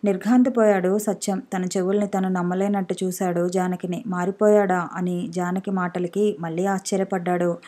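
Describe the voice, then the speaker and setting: A woman narrating an audiobook story in an expressive storytelling manner. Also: fairly low pitch, normal speed, few pauses.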